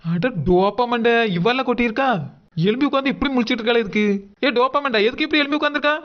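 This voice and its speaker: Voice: mid-range voice, rapid-fire, lo-fi sound, lightly acted. A performer voicing a quarrelsome, scolding village woman in a cartoon, combative, with a southern Tamil Nadu accent. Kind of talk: Tamil cartoon character dialogue.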